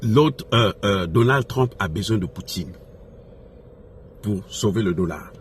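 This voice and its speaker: A man's voice: lowish voice, animated, measured pace. A man from Africa gives impassioned off-the-cuff political commentary, emphatically repeating phrases and posing rhetorical questions to his followers. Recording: noisy recording with background ambience.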